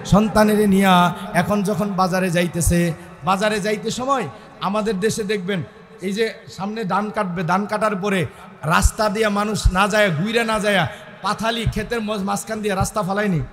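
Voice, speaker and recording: High, shouting preacher. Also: male voice, fairly even intonation, moderate pace, long reverb tail. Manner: shouting, sing-song chanting, calls to the crowd. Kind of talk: fiery village sermon with storytelling.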